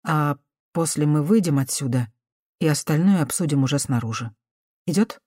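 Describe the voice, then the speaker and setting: Woman playing a soft-spoken soothing woman. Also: deep voice, expressive, moderate pace, breathy edge, dry recording, studio quality. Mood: calming. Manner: soft, conciliatory, hushed. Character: cautious gentle woman, soothing and patient.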